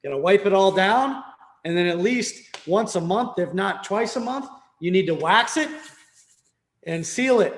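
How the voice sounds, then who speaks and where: High-voiced man quizzing a room. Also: lively intonation, normal speed. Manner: quizzing the room with frequent "right?". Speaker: window sales trainer. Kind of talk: training session with questions.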